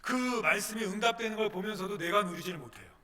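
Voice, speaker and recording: A man's voice: high voice, quick pace, crowd noise. A male pastor preaching a dramatic sermon in a church, acting out the complaints of the congregation. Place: church sanctuary. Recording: long church-hall reverb.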